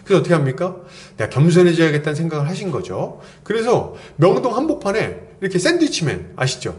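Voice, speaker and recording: A middle-aged man preaches to his congregation in a chatty, playful way. His voice sits a little high and swings widely in pitch. He slips into quick mock quotes to make a point. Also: very animated, a little mellow. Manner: conversational preaching with playful acted quotes and asides. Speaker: pastor. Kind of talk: expository sermon.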